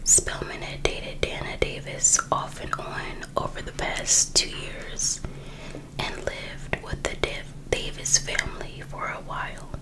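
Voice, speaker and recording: Whispering woman reading slowly. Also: low-quality recording. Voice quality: soft unvoiced whisper. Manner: hushed, unhurried storytelling. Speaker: ASMR host reading a true crime book.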